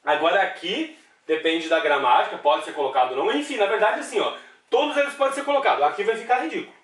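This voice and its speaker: Male grammar teacher, high voice, echoey room, mic at a distance. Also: lively intonation, quick pace, fairly bright tone. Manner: explanatory, asks himself questions, frequent "tá?" checks. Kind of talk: classroom-style video lecture.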